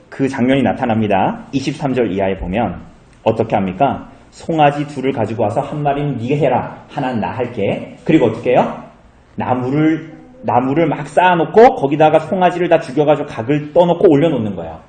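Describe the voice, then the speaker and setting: Lively man teaching Bible study. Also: medium pitch, roomy sound, poor audio. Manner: lively, asks the congregation questions and acts out quotes. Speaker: pastor. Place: church hall.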